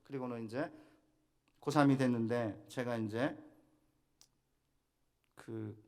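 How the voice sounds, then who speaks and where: A man's voice: medium pitch, steady tone, takes it slowly, darkish tone. A middle-aged man, a pastor, preaching a revival sermon in a church, telling a family story and quoting prayers with rising emphasis. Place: church sanctuary.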